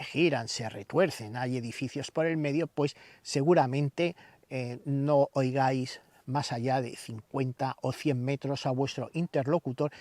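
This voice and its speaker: A man's voice: mid-range voice, no echo. A man from Spain with a Castilian or peninsular Spanish accent, hosting an informal explainer in a didactic way with everyday examples. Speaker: video channel host.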